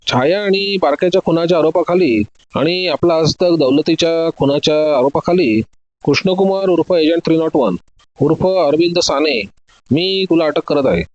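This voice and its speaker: A man's voice: on the high side, moderate pace, no echo, lo-fi sound, natural voice. A man playing a coolly commanding detective. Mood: confident. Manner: calm, commanding, methodical. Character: cool, confident male detective.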